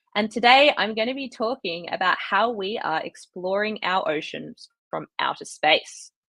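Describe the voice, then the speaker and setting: This speaker has an Australian accent and lively intonation. The pace is moderate. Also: woman, fairly high pitch for a woman, hardly any pauses. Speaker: marine scientist. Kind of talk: online presentation.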